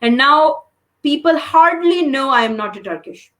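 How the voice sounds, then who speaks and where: A woman's voice: sits high, lively intonation, normal speed, a bit bright. A young woman from Pakistan, a master's student answering interview questions earnestly with frequent fillers.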